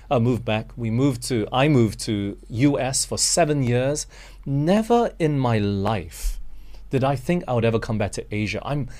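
A man's voice: medium pitch, darkish tone. A Malaysian man preaching a sermon, earnest and direct, calling his listeners friends and asking them rhetorical questions.

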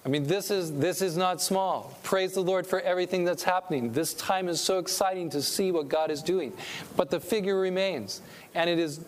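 A middle-aged man from California speaks to a church gathering in the manner of a sermon. His voice sits a touch higher than most men's, and he talks earnestly, climbing upward whenever he presses a point home. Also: slight background noise. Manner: earnest, preacherly, rising with emphasis on key points. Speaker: pastor and missionary speaker. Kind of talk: sermon-style talk to a church audience.

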